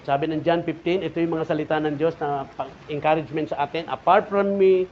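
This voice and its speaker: A male pastor with a Filipino accent delivers a sermon, his fairly high voice rising and dropping as he drives each point home and calls to the congregation. The church recording is dull and lo-fi, with faint noise underneath. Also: level tone, fast. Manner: preaching with rising and falling emphasis, repeated calls to the congregation.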